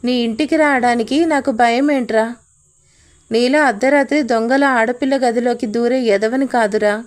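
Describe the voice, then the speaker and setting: A woman voicing a furious young man who shouts rough threats in an audio story. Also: very high-pitched, fairly even intonation, normal speed. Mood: enraged.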